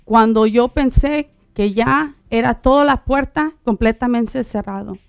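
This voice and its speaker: A middle-aged woman born in Uruguay telling her personal testimony in conversation, halting, with many fillers and restarts. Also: a little high, gravelly, smooth, no echo, studio quality. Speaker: guest sharing her testimony.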